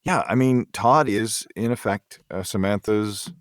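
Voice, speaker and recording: Male podcast guest, fairly low voice, very dry sound, halting as he picks his words. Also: no echo. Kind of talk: casual interview discussion.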